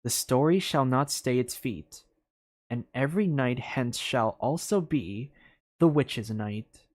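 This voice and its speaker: A game streamer with an expressive delivery, reading a story aloud in storybook style and slipping into casual asides. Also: mid-range voice, slow pace. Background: music.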